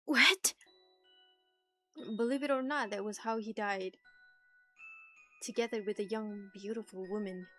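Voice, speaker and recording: A woman streamer reading a visual novel aloud and reacting in an animated, teasing way, swearing freely. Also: mid-range voice, a little slow, pauses often. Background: music.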